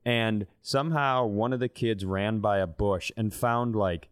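A man's voice: fairly low pitch, measured pace, clean tone. Man in his thirties telling bawdy comic stories. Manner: swearing, blunt, acts out quoted lines. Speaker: comedy podcast co-host. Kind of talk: animated casual comic storytelling.

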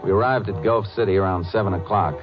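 An American actor playing a shrewd, stern Texas Ranger with a dry, deliberate manner in a 1950s radio drama. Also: male voice, low voice, over loud music, natural voice. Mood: measured narrating. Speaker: lead investigator and narrator. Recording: dull 1950s radio recording.

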